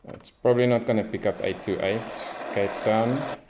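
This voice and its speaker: A man's voice: on the low side, steady tone, moderate pace, background noise. A man giving casual hands-on commentary as a radio hobbyist, thinking aloud as he tests. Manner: unscripted, thinking aloud while testing.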